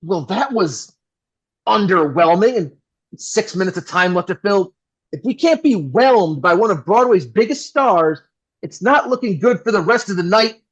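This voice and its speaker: Actor as a high, swooping melodramatic radio host. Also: male voice, expressive, moderate pace, breathy edge, muffled recording. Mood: deflated. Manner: theatrical, gushing announcer delivery. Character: flustered, melodramatic 1960s New York radio host, scorned husband. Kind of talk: audio drama acting as live radio host.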